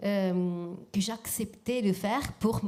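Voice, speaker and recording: Somewhat breathy woman's voice at medium pitch, very slow pace and ordinary pitch variation. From Italy, born Calabria, raised Liguria. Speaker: novelist. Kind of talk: public interview at literary event. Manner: halting, many hesitations.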